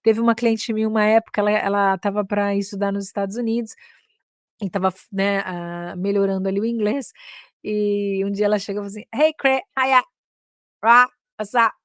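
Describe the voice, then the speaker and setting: Brazilian woman with an accent as a chatty bilingual English teacher, mid-pitched voice, dry close sound. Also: level tone, brisk, a little mellow, dry recording. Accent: Brazilian Portuguese. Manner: mixes Portuguese and English, frequent "né?" and "ok?" tags. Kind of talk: casual online English lesson.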